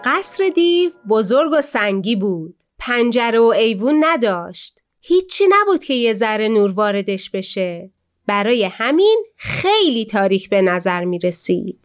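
A woman narrating a children's story slowly and expressively. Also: on the high side, sing-song, faint music behind.

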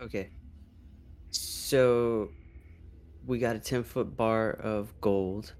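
Slow, deliberate man player. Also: on the low side, fairly even intonation, darkish tone. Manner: slow, deliberate, checking facts. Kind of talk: casual table chat.

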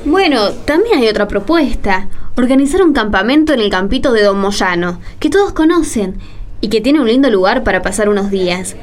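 A woman with an Argentine accent playing a patient, encouraging schoolteacher in a radio drama, speaking politely and in measured explanations. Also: a little high, animated, natural voice. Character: patient, encouraging woman seventh-grade schoolteacher leading parents' meeting.

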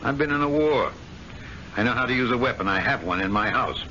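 A flustered, pleading debtor. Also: male voice, medium pitch, expressive, a little fast, bright, forceful tone, a little hiss or hum. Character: anxious, weak-willed male trust officer in debt. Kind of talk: 1970s radio drama acting. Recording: lo-fi vintage radio with faint music.

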